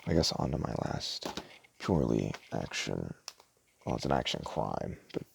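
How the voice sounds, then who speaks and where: A man doing a casual, rambling ASMR roleplay, talking hesitantly and stumbling as he reads things out, in a very deep, gravelly voice. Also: big pitch swings, moderate pace, slight background noise. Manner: casual, hesitant, stumbles over words and self-corrects. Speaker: ASMR roleplay performer playing a DVD store clerk.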